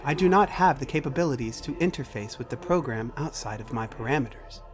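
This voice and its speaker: A man voicing a calm, analytical female alien computer in an audio story, speaking formally and precisely over music. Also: mid-range voice, brisk, natural voice. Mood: calm, matter-of-fact.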